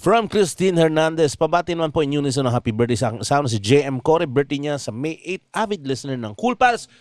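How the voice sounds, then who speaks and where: A man's voice: fairly high pitch, lively intonation, fast, darkish tone, no echo, studio quality. A man from the Philippines hosting a comedy podcast, casually reading listener greetings aloud and joking. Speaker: podcast host.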